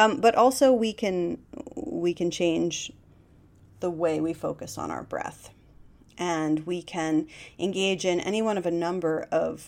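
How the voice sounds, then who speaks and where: A woman's medium-pitched voice with ordinary pitch variation, at a fairly slow pace in a very clean recording with a silent background. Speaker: podcast host and author. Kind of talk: casual monologue with guided breathing. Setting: home recording. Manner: rambling, conversational; soothing, gentle.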